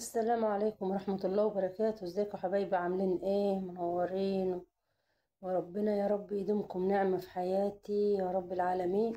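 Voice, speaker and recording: In an Egyptian accent, a woman speaks at a moderate pace and a medium pitch with monotone, flat intonation. Her tone is dark and mellow, and her loudness stays very even. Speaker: cooking vlogger. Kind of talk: cooking tutorial. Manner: halting.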